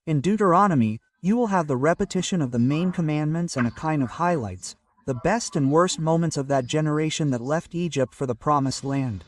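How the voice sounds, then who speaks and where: Man, pastor, measured sermon delivery, slightly high voice, dry and a bit off-mic. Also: no room sound, far from the mic. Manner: measured preaching with scripture citations.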